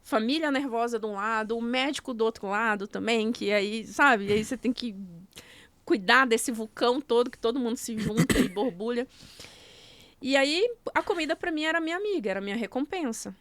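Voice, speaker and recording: A woman's voice: on the high side, fairly quick, a bit bright, dry recording. Woman explaining step by step. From Brazil. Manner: explanatory, walks through steps one by one. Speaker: guest, nutrition coach. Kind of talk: casual podcast interview.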